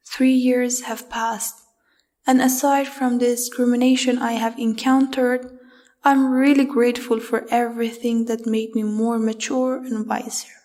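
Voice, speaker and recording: Young woman from Afghanistan, measured and reflective. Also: a little high, warm tone. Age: young adult. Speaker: student. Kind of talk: reflective personal narration.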